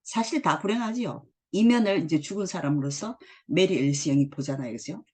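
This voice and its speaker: A middle-aged woman teaching English from drama scenes, reading lines slowly and then explaining them. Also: low-pitched, dark tone, slightly rough. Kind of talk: explaining drama dialogue in a lesson.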